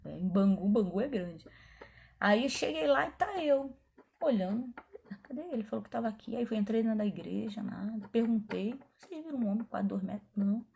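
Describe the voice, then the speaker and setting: A middle-aged woman pastor, telling her testimony in a chatty, animated way, acting out the dialogue as she goes. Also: medium pitch, brisk, creaky, husky. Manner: animated, chatty, frequent asides and quoted dialogue. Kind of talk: testimony storytelling.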